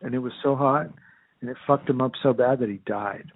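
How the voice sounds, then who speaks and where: Husky man telling sarcastic stories. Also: medium pitch, fairly quick, no echo. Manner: sarcastic, profane storytelling with many fillers. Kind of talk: casual chat. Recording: tinny phone-like sound.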